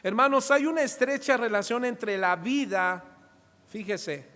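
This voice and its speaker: A man's voice: very high voice, a little slow, sharp tone. A middle-aged Mexican man preaching a sermon as pastor, asking the congregation questions and acting out little scenes from family life. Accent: Mexican Spanish. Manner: preaching with rhetorical questions and acted-out anecdotes. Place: church hall. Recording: reverberant church hall.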